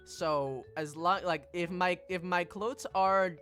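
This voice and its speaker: A woman's voice: fairly low pitch, slow, a bit bright, faint music behind. A trans woman hosting a casual stream chat, who repeats her phrases and laughs often. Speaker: VTuber streamer host.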